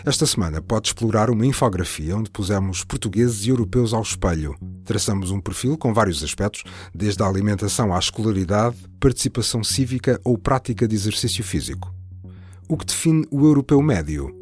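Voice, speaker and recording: A man reads a news programme script in a clear, even way. His voice sits low, and faint music plays underneath the narration. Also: a little fast. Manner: even, clear read delivery. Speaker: programme presenter. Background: faint music bed.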